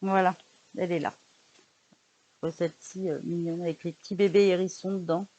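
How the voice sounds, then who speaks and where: A woman's voice: lowish voice, level tone, brisk, mellow. A woman vlogger in casual chat, showing books she bought, hesitant with frequent fillers and restarts, recorded indoors at home. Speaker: vlogger showing a book haul.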